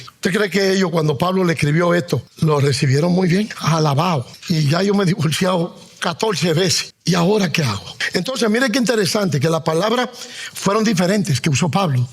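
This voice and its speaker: A man's voice: high voice, husky. A male pastor preaching a sermon in a conversational way, with humor. He has the congregation repeat after him and stretches out the words he stresses. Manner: emphatic, drawn-out stressed words; conversational humor woven into Bible teaching.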